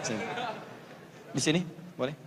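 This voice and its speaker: A male Islamic preacher giving a lecture on Quran pronunciation, animated, repeating letter sounds to demonstrate them and coaching volunteers. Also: a little high, unhurried. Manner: coaches audience volunteers in front of a crowd. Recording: long hall reverb.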